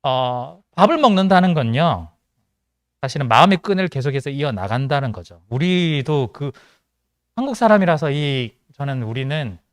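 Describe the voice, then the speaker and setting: This Gyeongsang-born pastor, with a mild regional Korean accent, delivers a chatty sermon dotted with jokes for a congregation of young adults. His voice sits fairly high. The recording is dry, with a clean studio sound.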